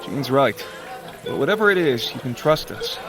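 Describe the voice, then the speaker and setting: Superhero team boss, earnest n commanding, lively pitch, radio drama. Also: male voice, moderate pace, music in the background, poor audio. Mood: reassuring. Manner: encouraging, authoritative. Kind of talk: audio drama acting.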